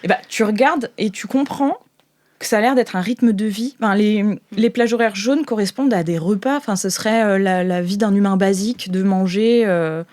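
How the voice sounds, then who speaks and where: A woman's voice: medium pitch, normal speed, darkish tone. A woman narrating an improvised tabletop game as game master, in an informal, descriptive and hesitant way.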